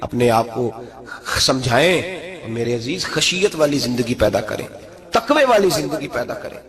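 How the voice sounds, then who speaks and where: A middle-aged man, preaching a sermon in an animated way and climbing to high, emphatic peaks. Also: moderate pace.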